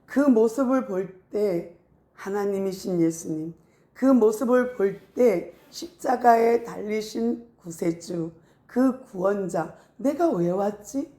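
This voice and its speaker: A woman's voice: mid-range voice, slow pace. Lady pastor preaching in a church, chatty storytelling, echoey room. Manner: lively storytelling, acts out quoted voices; casual spoken style mixed with preaching. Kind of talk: sermon.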